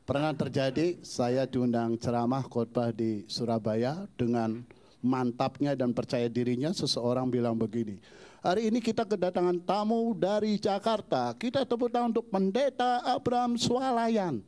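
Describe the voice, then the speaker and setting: A pastor performing stand-up comedy, telling self-mocking jokes in a deadpan way. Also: male voice, medium pitch, moderate pace. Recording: live stage with loud audience.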